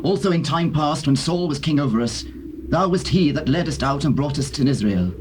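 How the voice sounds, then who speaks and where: An actor with a British accent playing a loyal tribal elder, formal and measured, in a dramatized scripture. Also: male voice, on the high side, lively intonation, lightly acted. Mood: reverent, loyal. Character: loyal male tribal elder pledging allegiance to his king. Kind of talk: dramatized scripture, classical acting. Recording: noisy old cassette recording.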